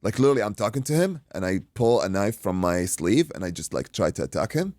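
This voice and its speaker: A man from Iraq, a boxing coach and guest, telling an animated story in casual chat, acting out quotes and swearing freely. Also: fairly low pitch, fast, no room sound, studio quality.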